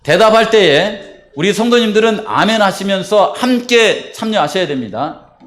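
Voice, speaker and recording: A man's voice: sits high, animated, moderate pace, fairly bright tone. A man preaching as pastor at a church baptism service, posing questions to the congregation and answering them himself. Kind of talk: sermon and baptism rite. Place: church sanctuary.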